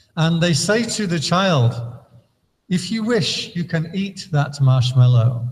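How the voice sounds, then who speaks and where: A man with an English accent, high-pitched, very slow, with lively intonation. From England. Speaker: Buddhist Dharma teacher. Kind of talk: Dharma talk to children.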